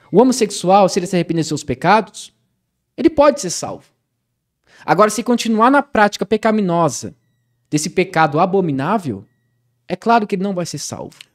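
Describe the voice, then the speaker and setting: Against a quiet background, a man with a high pitch speaks at a fairly quick pace broken by long, frequent pauses. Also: lively intonation. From Bahia, Brazil. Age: 20s. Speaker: seminarian and evangelical YouTuber; podcast guest. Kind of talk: podcast interview, testimony. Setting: studio. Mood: earnest religious testimony. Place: studio. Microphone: studio mic.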